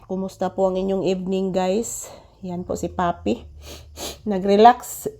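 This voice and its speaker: A woman's voice: medium pitch, steady tone, measured pace. A woman vlogging casually from her living room, coughing from a cold and coaxing her child between remarks to viewers. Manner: talks softly to a child, coaxing. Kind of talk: casual home vlog.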